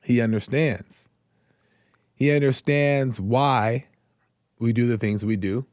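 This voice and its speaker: Hosting a live call-in faith show, a man gives a casual devotional talk, speaking slowly and reflectively, circling back with pauses, fillers, and repeated phrases. His mid-range, slightly mellow voice is wearing thin and going a little hoarse. The sound is close and dry with no room echo.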